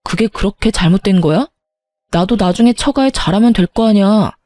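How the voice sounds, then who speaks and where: A woman's voice: medium pitch, brisk, warm tone, no room sound, close to an everyday voice. A woman voicing an irritated husband who argues defensively and accuses his wife in a spoken story. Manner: accusing, huffy.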